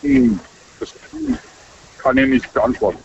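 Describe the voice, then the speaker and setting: A man's voice: mid-range voice, lively intonation, measured pace, creaky, a little mellow. A middle-aged man calling in to a radio show, rambling and hesitant, searching for his words. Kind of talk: casual phone chat. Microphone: telephone. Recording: muffled distant phone line with faint hiss.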